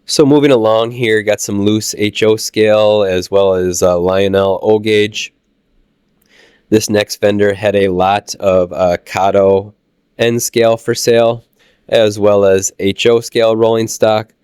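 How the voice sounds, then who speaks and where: A man with a low voice and a Midwestern American accent narrates a casual walkthrough of a train show for his channel, relaxed but halting and full of "uh"s. Though he's still recovering from a cold, his voice stays smooth and clear. The recording is close and dry, with no room sound.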